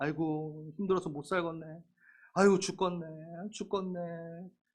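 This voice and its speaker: A man puts on a whiny character voice, high-pitched and flat in a monotone, at a moderate pace. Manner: whiny, complaining.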